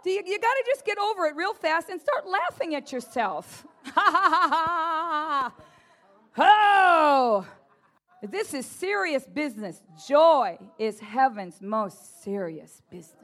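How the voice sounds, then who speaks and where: High-voiced animated woman preaching. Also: normal speed, few pauses. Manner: animated, playful, mimics listeners, shouts and laughs. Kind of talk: lively charismatic sermon.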